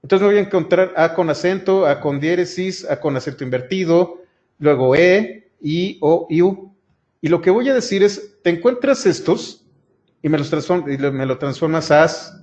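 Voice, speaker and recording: A male programming teacher, talking his class through a coding example one step at a time. His voice sits somewhat high, and the recording is muffled and lo-fi. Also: normal speed, a little mellow. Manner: explains step by step, addresses students directly. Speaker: programming instructor. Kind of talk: screen-recorded coding lesson. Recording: dull lo-fi sound.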